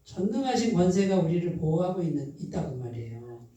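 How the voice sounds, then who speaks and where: A pastor with a Chungcheong accent gives a midweek sermon. The pastor keeps putting questions to the congregation, answers them, and repeats key phrases slowly and softly for emphasis. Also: medium pitch, big pitch swings. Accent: Chungcheong Korean. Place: church sanctuary. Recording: very echoey hall, voice from a distance.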